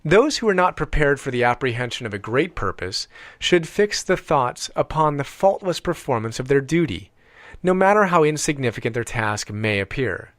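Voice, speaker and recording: A man reading an audiobook in a deliberate, measured way with emphatic pauses. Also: medium pitch, very animated, a bit bright, no echo. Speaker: audiobook reader. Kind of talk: scripted audiobook narration.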